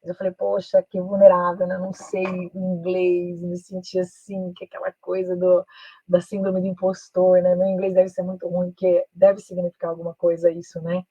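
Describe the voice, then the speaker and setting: A Brazilian woman teaches an English class in a chatty style, tagging her sentences with little questions and switching into English now and then. Her voice is husky and slightly breathy. It sounds dry and close, on a somewhat dull, lo-fi recording. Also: lowish voice, completely flat delivery, brisk, mellow, no room sound. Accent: Brazilian Portuguese. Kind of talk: online master class.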